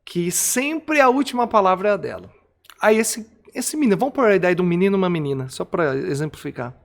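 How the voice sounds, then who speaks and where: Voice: mid-range voice, big pitch swings, quick pace. A speaker in casual conversation, explaining ideas through everyday examples.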